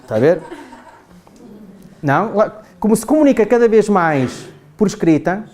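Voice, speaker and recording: A man's voice: high-pitched, expressive, moderate pace, darkish tone. A man with a European Portuguese accent giving a chatty classroom talk to adults, often asking the group "não é?". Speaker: trainer. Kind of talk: classroom lecture.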